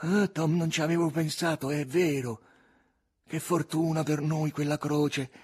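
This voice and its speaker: A man voicing a scrappy young boy sidekick who talks with wide-eyed wonder, with a husky voice. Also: a little high, unhurried, pitched above the performer's own voice. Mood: hopeful. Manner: wondering, excitable.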